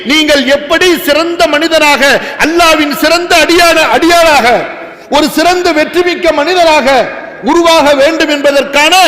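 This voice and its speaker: High-pitched impassioned preacher man. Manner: impassioned, rising to shouts and chanting Quranic verses. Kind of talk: Islamic sermon. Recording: long hall reverb.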